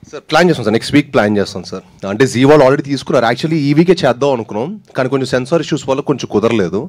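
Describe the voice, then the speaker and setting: A man's voice: medium pitch, animated. A man, a film producer, answering reporters at a press meet, adding "sir" to nearly every sentence. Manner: rapid, says "sir" often.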